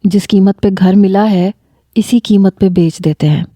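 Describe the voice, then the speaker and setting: A woman voicing a middle-aged father in a storybook reading, calm and matter-of-fact. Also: medium pitch, no room sound, natural voice. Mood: easygoing.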